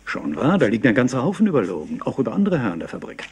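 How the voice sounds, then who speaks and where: Lively, efficient police assistant. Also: male voice, medium pitch, racing, a little hiss or hum. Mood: businesslike. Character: efficient, matter-of-fact male police assistant. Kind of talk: German-dubbed TV crime drama acting.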